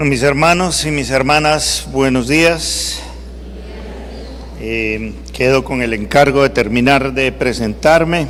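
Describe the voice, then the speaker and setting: A man speaks at a very slow pace. Audible room echo and noticeable background noise surround his voice. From Peru. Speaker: itinerant pastor and preacher. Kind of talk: sermon.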